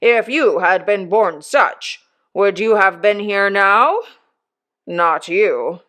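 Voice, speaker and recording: A pompous, self-satisfied old uncle, put on by a woman reading a novel aloud. He speaks slowly and emphatically, as if every remark were a moral lesson. His voice sits a little higher and louder than the narrator's own. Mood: pompous lecturing. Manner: slow, emphatic, lecturing.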